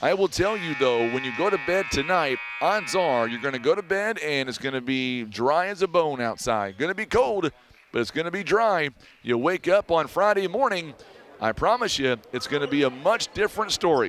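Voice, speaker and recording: With a Southern accent, a man talks at a moderate pace in a fairly high pitch with very wide pitch swings. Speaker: radio play-by-play announcer. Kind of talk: live sports commentary. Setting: arena broadcast position at a basketball game.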